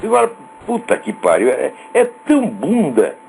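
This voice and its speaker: A man's voice: a little high, huge pitch swings, moderate pace, vocal fry, a little hiss or hum, rough recording. Brazilian guy ranting on his show, cursing, sarcastic, voice jumping all over the place. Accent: Brazilian Portuguese. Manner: profane, scornful, sarcastic, shouts insults. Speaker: radio show host. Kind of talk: angry ranting monologue.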